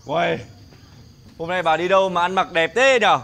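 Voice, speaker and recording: A man's voice: high voice, moderate pace, gravelly, sharp tone, full character voice. An actor playing a cheeky, offhand young man from the village in a TV drama. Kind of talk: TV drama acting.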